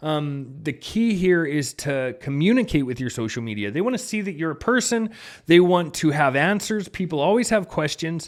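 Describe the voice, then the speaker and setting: The recording is very clean, with a silent background. A man speaks at a fairly high pitch that swings very widely. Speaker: online marketing coach. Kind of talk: screen-share tutorial. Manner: fast; casual with many fillers.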